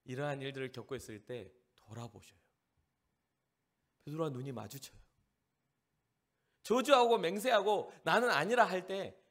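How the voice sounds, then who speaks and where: A man from Jeolla, South Korea, preaching as a pastor at a youth service, animated and acting out the people he describes. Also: a little high. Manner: animated, acts out the lines of the people in the story.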